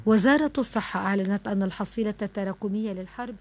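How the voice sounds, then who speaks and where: A woman's voice: medium pitch, racing, darkish tone. A woman newsreader delivering a scripted news bulletin.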